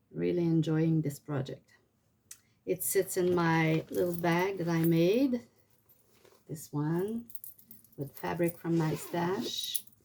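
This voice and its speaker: A woman's dark, mellow voice with a French accent, very slow, broken by long and frequent pauses, with ordinary pitch variation. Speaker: craft vlogger. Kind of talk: show-and-tell craft vlog. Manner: halting, many fillers.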